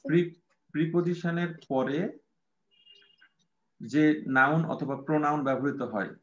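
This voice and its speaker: A man's voice: on the high side, a little slow, fairly bright tone. A man teaching an English grammar class, patient and repetitive, with many fillers. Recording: dull lo-fi sound.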